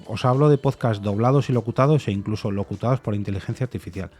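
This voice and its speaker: A man's voice: fairly low pitch, fast, a little mellow, husky, faint music behind. A podcast host talking through his opinion alone, thoughtful and hesitant, often restarting and trailing off into repeated no's. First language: Spanish. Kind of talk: reflective solo opinion monologue.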